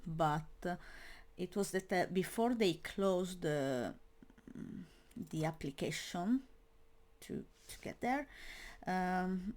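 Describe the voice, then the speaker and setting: A young woman talks through her year in a loose, unscripted monologue, in English that is not her first language. She goes at a slow pace and leans heavily on fillers, often restarting a phrase before finishing it. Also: fairly low pitch, darkish tone. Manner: hesitant, many fillers and restarts; non-native English speaker. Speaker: metal media creator. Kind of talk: casual spoken monologue.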